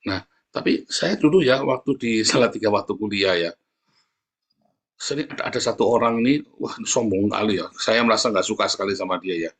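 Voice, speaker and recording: A man from Indonesia with a Javanese Tegal accent, preaching a sermon in a chatty storytelling way. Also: brisk. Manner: animated storytelling, jumps up into high mimicking voices.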